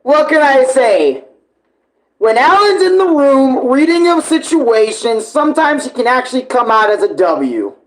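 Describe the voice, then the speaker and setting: Guy doing a live reaction stream, super slangy and animated, swears a ton, casual chat. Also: extremely high pitch, measured pace, low-quality recording.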